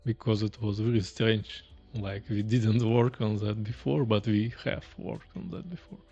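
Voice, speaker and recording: A man's voice: fairly low pitch, measured pace, mellow, breathy edge, dull audio, soft background music. A man, chatting casually while live-coding and thinking aloud on a stream from a small room. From Russia. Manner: thinking aloud, chatty, reading chat questions. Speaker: streamer, indie developer.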